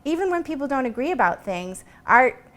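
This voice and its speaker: A woman's voice: high voice, sing-song, a little fast. A woman giving earnest, explanatory answers as an interview guest in a conversational style. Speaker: guest, painter and creativity consultant.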